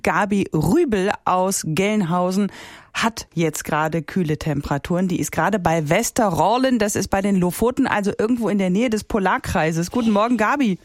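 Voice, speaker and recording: A woman's voice: medium pitch, normal speed, no echo. A woman hosting a morning radio show, talking in an upbeat, chatty way and asking short questions. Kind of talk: casual radio chat. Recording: dry studio mic.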